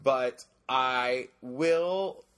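A man's voice: mid-range voice, very slow, fairly bright tone, clean tone. A man in his forties co-hosting a podcast, chatting casually and dishing with campy slang. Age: 40s. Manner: chatty, dishy banter with drag slang. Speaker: podcast co-host. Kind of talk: casual chat.

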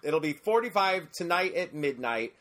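Forties male co-host, bright slightly high voice, campy gossipy banter. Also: lively intonation, normal speed. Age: 40s. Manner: chatty, dishy banter with drag slang. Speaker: podcast co-host. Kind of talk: casual chat.

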